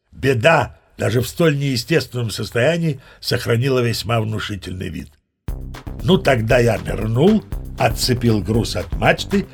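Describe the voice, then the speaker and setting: Give this audio play an old sea captain, with a creaky, gravelly mid-pitched voice. He is chatty and pleased with himself, telling tall tales straight to his listener over faint music. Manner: chatty, self-satisfied storyteller addressing the listener. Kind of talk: audio play storytelling monologue.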